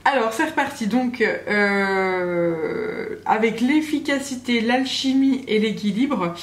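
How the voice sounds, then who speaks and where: A woman's voice: a little high, slow. A woman giving a channeled tarot reading to the viewer in a casual, hesitant way, with many fillers and restarts. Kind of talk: casual spoken guidance to the viewer. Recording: echoey room with faint background hum.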